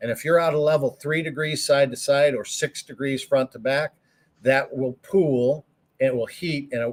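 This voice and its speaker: This man has an unremarkable speaking voice, pitched fairly high. He keeps a moderate pace and fairly even intonation. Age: 60s. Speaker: RV industry expert. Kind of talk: live Q&A on a talk show. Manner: conversational with many fillers.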